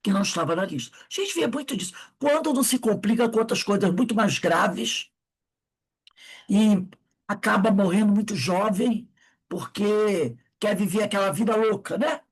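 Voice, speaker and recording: A woman's voice: medium pitch, moderate pace, breathy edge. A woman, teaching a spiritist study class in a chatty way, full of tag questions and acted-out dialogue. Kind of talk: conversational class lecture.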